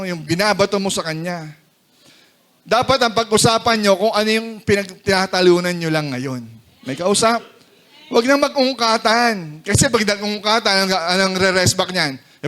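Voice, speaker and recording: A man's voice: sits high, fairly bright tone. A man with a Filipino accent preaching a sermon. He mixes Tagalog and English and keeps checking in with the congregation. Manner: preaching in Tagalog mixed with English, asking the crowd "di ba?". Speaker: pastor.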